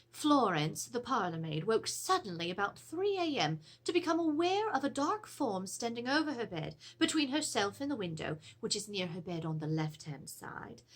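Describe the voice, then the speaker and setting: Casting: actress as genteel Edwardian lady of a haunted house, theatrical dramatic reading, slightly husky, very varied intonation. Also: fairly high pitch. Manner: formal, theatrical, expressive storytelling. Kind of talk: dramatic reading of a period letter. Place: small room with draped cloth backdrop.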